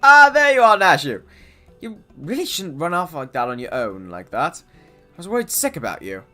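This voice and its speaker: A man voicing a pompous gentleman inspector from a video game, reading lines in a grand, theatrical way. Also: fairly high pitch, sing-song, moderate pace, soft background music. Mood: doting. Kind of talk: game dialogue read aloud.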